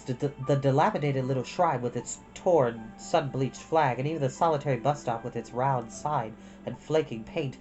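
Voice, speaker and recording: A woman narrates a storybook in a low voice with lively, expressive intonation. Faint music plays behind her reading. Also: rough recording. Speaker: storytime reader.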